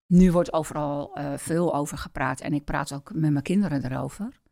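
Low gravelly-voiced woman, hesitant. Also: warm tone, no echo, studio quality. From Netherlands. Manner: hesitant, many pauses and fillers. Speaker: interview guest. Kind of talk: personal life-story interview.

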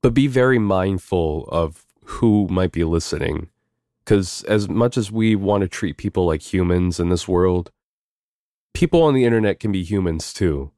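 A young man with a very deep, low voice talks through interview questions in an easygoing, meandering way, full of ums and the odd swear. He's from New York, and the recording is dry and close with no room sound. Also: lively intonation, normal speed, mellow, dry recording. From New York, USA. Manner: easygoing, rambling, frequent fillers and swearing. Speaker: voice actor interviewee. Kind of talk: casual interview answers.

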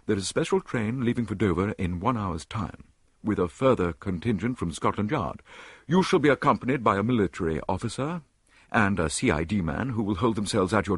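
A grave, troubled old statesman, read by a male narrator, in a storybook. He speaks measured and formal, with a slightly husky voice and a lively pitch. The sound is close and dry. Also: no room sound.

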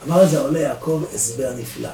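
A man, a rabbi giving a lively Torah lesson to a live audience, asking rhetorical questions and swinging between loud and soft. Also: medium pitch, vocal fry. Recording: echoey room, distant mic, faint noise.

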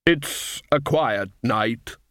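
A man voicing Death, a calm, solemn male personification of death who speaks tersely and politely. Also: mid-range voice, extremely slow, dry recording, clean studio sound.

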